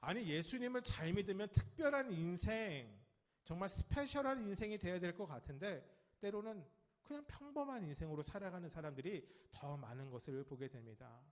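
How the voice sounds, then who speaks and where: Man, pastor, Sunday sermon, fairly high voice, lively swings in pitch, acts out quotes, endings trail off quietly. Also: fairly quick. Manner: lively storytelling with acted quotes of nagging adults; talks directly to the congregation and children. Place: church sanctuary.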